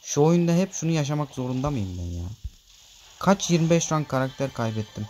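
Here a higher-pitched, expressive male gamer talks briskly with a slightly mellow tone and some faint background noise. Addressing viewers directly in casual commentary, he keeps griping about his random teammates, who annoy him easily.

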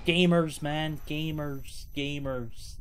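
A man's voice: on the high side, steady tone, slow pace, music in the background. A man giving casual live gameplay commentary as a speedrunning streamer, talking to himself in repetitive, sweary bits.

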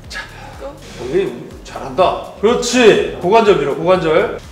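A man's voice: sits high, animated, a little slow, soft background music. A man in his forties, a gym trainer and host, coaching with short encouraging cues and frequent laughs. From Korea. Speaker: gym owner and trainer hosting. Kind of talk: casual coaching chat. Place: large indoor gym. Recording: echoey gym with people around.

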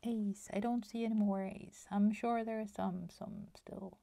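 A Swedish woman in her forties with a Swedish accent, chatting softly at her craft table with many fillers and half-whispered asides. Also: medium pitch, fairly even intonation, measured pace, gravelly, no room sound. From Sweden. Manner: soft-spoken, slips into whispers, many fillers. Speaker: crafting channel host. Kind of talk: casual chat while crafting. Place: home craft table, indoors.

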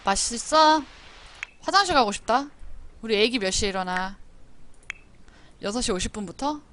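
A woman's voice: fairly high pitch, expressive, moderate pace, a bit bright, slight background noise. A woman streaming a life-simulation game, chatting playfully, scolding her characters and reading the story text aloud. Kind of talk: live-streamed game commentary.

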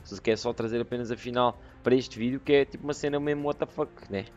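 A man with a European Portuguese accent commentating his own video game fight, excitable, shouting at big hits and throwing in English swear words. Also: mid-range voice, fast talker, lo-fi sound. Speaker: gaming YouTuber. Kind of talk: let's-play commentary. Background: game music and fight sounds.

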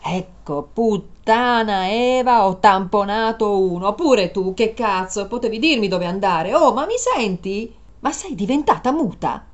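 A woman's voice: mid-range voice, lively intonation, a little slow, hardly any pauses, natural voice. A woman reader voicing an irritable, foul-mouthed young man at the wheel, speaking curtly. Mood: irritated. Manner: curt, swearing, exasperated. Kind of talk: dramatized story reading.

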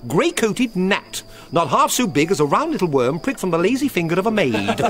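A mercurial young British nobleman in a Shakespearean radio play. His fairly high voice leaps and swoops through fantastical, teasing speeches, turning from glee to brooding, with music behind him. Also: a bit bright, exaggerated voice. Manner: theatrical, teasing, swings from gleeful to brooding. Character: mercurial, witty young nobleman spinning fantastical bawdy tales. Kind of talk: Shakespearean radio drama acting.

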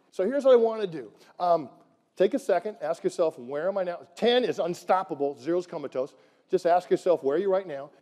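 Wearing a headset mic, a middle-aged man with a high voice gives a rousing keynote from a large conference hall stage. Emphatic throughout, he repeats phrases, quizzes the audience and gets them chanting, all captured with the hall's long, live reverb.

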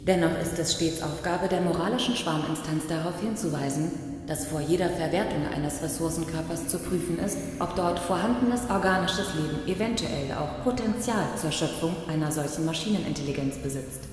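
A woman plays a principled female archive machine in a sci-fi radio play. It speaks in a lowish voice, formal and admonishing, as the conscience of its swarm. The sound is drenched in echo. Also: normal speed, slight background noise, close to an everyday voice. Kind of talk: science fiction radio play acting. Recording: heavy echo and reverb, faint music.

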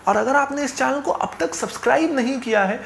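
Higher-voiced young man explaining to camera. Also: fairly quick, vocal fry, slight background noise. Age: young adult. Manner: earnest, steady, gestures with hands while explaining. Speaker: finance channel host. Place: small home office indoors. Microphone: clip-on lapel mic.

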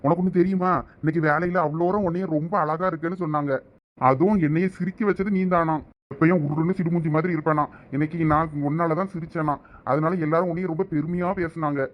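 An actor plays an affectionate young husband in a family comedy-drama, coaxing and teasing. His voice sits high for a man and he talks fast. The recording is dull and lo-fi. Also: steady tone, close to an everyday voice. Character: caring young husband, a supervisor. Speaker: actor in a village family skit. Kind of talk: village comedy-drama acting.

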